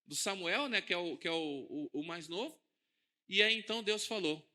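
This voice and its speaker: A man with a Brazilian Portuguese accent preaches to his congregation in a high, strikingly bright voice. He keeps it conversational and puts questions to the people listening, dropping soft and then rising loud. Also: moderate pace. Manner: conversational, asks the congregation questions, wide swings in loudness. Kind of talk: sermon. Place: church hall.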